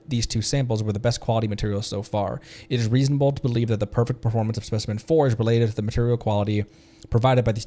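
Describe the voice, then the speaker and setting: A man streaming a game live, reading text aloud haltingly and adding his own commentary. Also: mid-range voice, warm tone.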